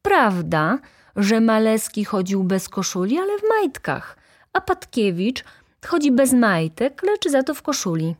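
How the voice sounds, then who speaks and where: A woman voicing a hot-tempered, indignant poor young male student who shouts in outrage. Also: on the high side, big pitch swings, a little slow, voice pushed up.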